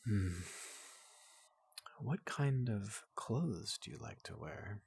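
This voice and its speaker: Guy doing a big gentle robot doctor for asmr, super low n slow, breathy half whisper, polite and calming. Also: no echo, exaggerated voice. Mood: gentle, curious. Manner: slow, gentle, reassuring, repeats questions softly. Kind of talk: ASMR roleplay, hushed and soothing.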